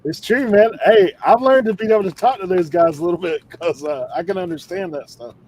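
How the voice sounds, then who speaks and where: A man's voice: high voice, brisk, a little mellow, a little hiss or hum. A man chatting in a laid-back way and chuckling through his stories. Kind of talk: casual chat.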